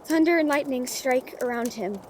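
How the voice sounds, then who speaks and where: A woman's voice: high-pitched, moderate pace, heavy background noise, natural voice. A woman playing an earnest, defiant author in a fantasy audio drama, with an emotional, emphatic delivery. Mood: tense narrating. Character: earnest, defiant female author facing her villain.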